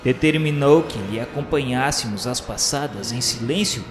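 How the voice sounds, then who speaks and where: A male narrator with a Brazilian accent tells a radio drama in solemn, literary phrasing. His mid-range voice rings with long reverb over clearly audible music. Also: mid-range voice, normal speed. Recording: reverberant hall effect, music behind.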